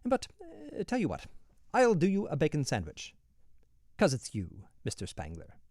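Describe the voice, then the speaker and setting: A man's voice: fairly high pitch, huge pitch swings, moderate pace, gravelly, darkish tone, no room sound, studio quality, full character voice. A man doing a chatty, deferential prison warder. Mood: polite. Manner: rambling, deferential, says "sir" constantly. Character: cheerful chatty male prison warder, polite.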